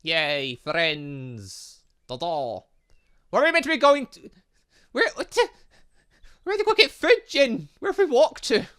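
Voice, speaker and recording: A man's voice: high-pitched, a little slow, pauses often, clear, resonant tone. A man giving casual let's play commentary on a visual novel, reading aloud and reacting with exclamations. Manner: animated, exclaiming, reacting as he reads. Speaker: gaming channel host.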